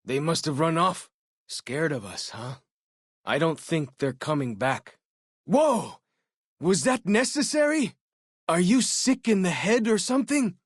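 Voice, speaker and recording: Young tribal scout for a video game: earnest, wry, jumpy sidekick, slightly husky, unhurried delivery. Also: male voice, fairly high pitch, animated, dry recording, studio quality. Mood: casual, watchful, then urgent, agitated. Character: eager young tribal scout, jumpy but loyal companion. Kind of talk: video game character voice acting.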